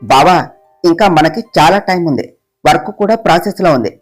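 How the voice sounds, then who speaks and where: A man's voice: fairly high pitch, animated, a little fast, soft background music, pitched below the performer's own voice. A woman voicing an eager, cheerful young man who pleads and talks with enthusiasm.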